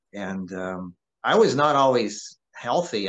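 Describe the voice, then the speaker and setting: Speaking at a very slow pace, a man talks in a fairly low pitch. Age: 60s. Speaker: raw vegan health guest. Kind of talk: interview. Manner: halting.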